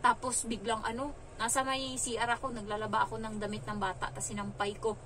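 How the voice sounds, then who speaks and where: A woman's voice: fairly quick, a little hiss or hum, rough recording. A young woman vlogger, a domestic helper, casually retelling a story and acting out the lines she quotes. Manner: animated retelling, raising her pitch for quoted lines. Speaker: domestic helper telling about her employers.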